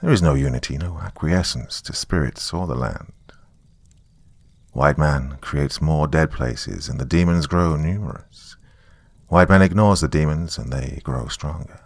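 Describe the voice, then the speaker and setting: A man's voice: a bass voice, normal speed, no echo, clean studio sound. A man voicing a solemn Native American elder who gives a grave, portentous warning in a horror story. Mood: foreboding warning. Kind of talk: dramatic reading in a horror story.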